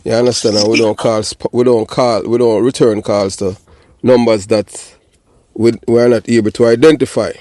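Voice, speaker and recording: A man's voice: medium pitch, level tone, normal speed, warm tone, a little hiss or hum. Jamaican man in his fifties, emphatic and repetitive. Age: 50s. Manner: repetitive, emphatic, asks for confirmation. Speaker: online show host. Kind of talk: casual phone conversation and commentary.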